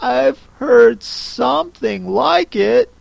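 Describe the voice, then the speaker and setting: A man putting on a polite, puzzled little girl who answers softly and carefully. The voice sits high above his own and drawls slowly. It sounds a touch away from the mic. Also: lively intonation, creaky, dry recording, full character voice. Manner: polite, cautious, soft and slow.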